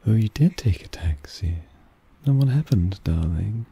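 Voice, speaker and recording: A man voices a suave, possessive vampire in an ASMR roleplay addressed to the listener, teasing and doting on his pet and purring with condescending affection in a doting, amused mood. His voice is on the low side, gravelly, mellow and slightly rough, animated and unhurried, heavily acted. Rain ambience sounds behind him.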